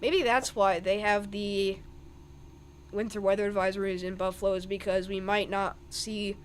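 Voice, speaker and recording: A man's voice: high voice, flat delivery, moderate pace, slight background noise. Rambling young man narrating radar live. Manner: rambling, thinking aloud over radar. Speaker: weather streamer. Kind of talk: live-stream weather commentary.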